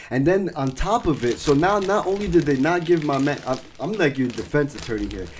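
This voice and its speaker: Lively in intonation and fairly high in pitch, a man speaks at a fairly quick pace over noticeable background noise. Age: 30s. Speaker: podcast co-host. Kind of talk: casual chat. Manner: animated.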